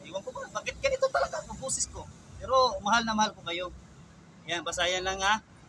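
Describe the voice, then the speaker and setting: A man at a very fast pace, with long, frequent pauses and big swings in loudness. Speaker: channel owner debating religion. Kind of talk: online religious debate. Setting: online live session, not in studio, on mobile data.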